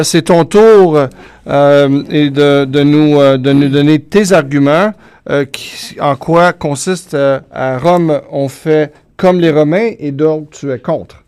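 Moderator, male, high voice, halting delivery with many fillers. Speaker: debate moderator. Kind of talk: moderating a debate.

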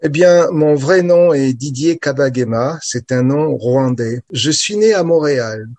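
A middle-aged man who grew up in Central and West Africa, telling his life story as an interview guest in a thoughtful way, pausing often with fillers. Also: on the high side, expressive, a little mellow, dry recording. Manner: thoughtful, many pauses and fillers. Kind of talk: hesitant conversational storytelling.

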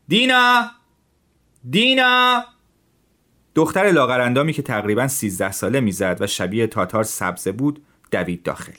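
A man reading a translated classic story aloud as a calm narrator for teenagers. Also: mid-range voice.

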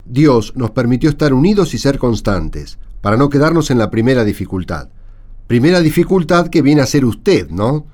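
An actor playing a proud, plain-spoken neighborhood leader in a radio play, speaking in an emphatic, assertive way. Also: male voice, mid-range voice, lively intonation, moderate pace, a little mellow, close to an everyday voice. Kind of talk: Spanish-language radio theatre acting.

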